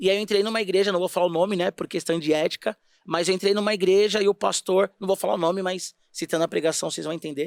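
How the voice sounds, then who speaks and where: A man with a high-pitched voice talks very fast with hardly any pauses and fairly even intonation, in a dry, close sound with no echo. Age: 30s. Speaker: pastor. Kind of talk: casual chat.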